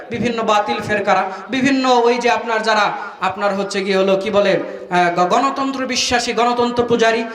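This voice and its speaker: Guy preaching a waz, high voice, asks the crowd stuff, echoey from far off. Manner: calls on the crowd to answer, breaks into sung verses. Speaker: Islamic preacher. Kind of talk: Bengali waz sermon at an outdoor gathering. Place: tent gathering of a crowd. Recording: echoey loudspeaker sound from far off.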